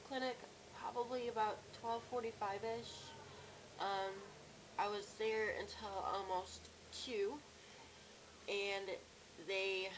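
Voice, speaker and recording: A young woman with a cracky, strained voice and sore throat, talking casually and haltingly in a personal video diary. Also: mid-range voice. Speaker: vlogger. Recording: clear background noise, room ambience.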